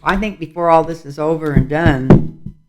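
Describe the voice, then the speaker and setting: A man's voice: fairly high pitch, normal speed, loud music behind the voice. A man reading tarot cards in a casual vlog, rambling and musing aloud as he goes. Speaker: tarot reader.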